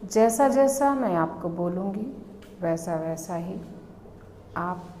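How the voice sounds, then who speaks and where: A woman leads a guided meditation as an instructor, calmly giving instructions in short phrases with long pauses. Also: lowish voice, slight background noise.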